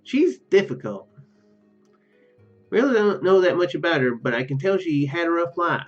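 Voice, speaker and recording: A man's voice: a little high, sing-song, normal speed, highs cut off, faint music behind. A man voicing a shy, kind young female mage from a visual novel, speaking hesitantly and earnestly.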